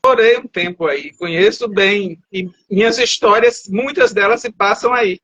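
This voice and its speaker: A man from Salvador, Bahia, Brazil, an author appearing as a guest in a live video interview, speaks at normal speed in a high, slightly bright voice. He rambles and corrects himself mid-sentence, and the video call audio is dull and dry with no room sound.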